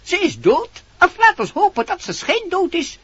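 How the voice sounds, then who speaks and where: A man playing a concerned, precise dwarf in a radio fairy tale, speaking earnestly and deliberately. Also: very high voice, wildly swooping pitch, fairly bright tone, exaggerated voice. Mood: worried. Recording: dull old radio recording, faint noise.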